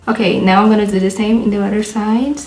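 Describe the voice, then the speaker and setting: A woman's voice: mid-range voice, fairly even intonation, fast, a little mellow, roomy sound, faint music behind. A young woman from Brazil with a Brazilian Portuguese accent, chatting through a makeup tutorial in her apartment and describing each step while laughing often. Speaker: beauty vlogger. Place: apartment in a big city.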